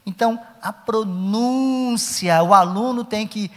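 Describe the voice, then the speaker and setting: A man's voice: high-pitched, slow pace, long reverb tail. A middle-aged man with a Brazilian Portuguese accent, lecturing Sunday school teachers at a church conference, emphatic and repeating his key points.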